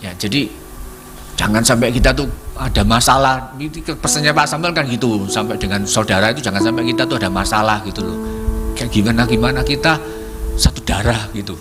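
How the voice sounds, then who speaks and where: A middle-aged man giving a testimony at a church prayer service, halting and repeating himself as he searches for words. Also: medium pitch. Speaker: congregation member giving testimony. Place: church hall. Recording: church service with music playing behind.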